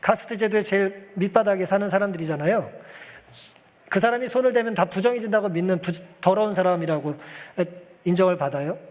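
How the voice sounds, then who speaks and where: A man's voice: high voice, a little fast, in a large hall. A male pastor preaching a sermon, telling a story and acting out the pleas of its people as he addresses the congregation.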